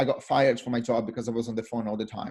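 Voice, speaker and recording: A man with a medium pitch speaks in a Portuguese accent. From Brazil. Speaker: entrepreneur. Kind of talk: casual talk. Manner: halting.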